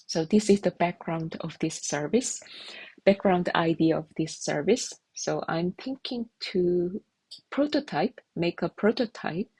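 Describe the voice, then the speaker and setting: A woman in her thirties whose first language is Korean, a software engineer talking through her development process in a halting, hesitant way. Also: lowish voice, breathy edge, dry recording, low-quality recording. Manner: hesitant, halting, restarts often. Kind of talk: casual devlog narration.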